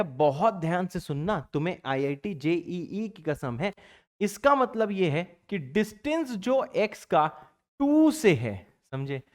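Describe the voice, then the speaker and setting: A man teaching math in a lively recorded lecture, playing both teacher and student in his own voice, chatty and full of catchphrases. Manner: chatty, fond of catchphrases like "bachcha party"; lively pitch swings, drops low for student replies. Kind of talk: exam-prep math lecture.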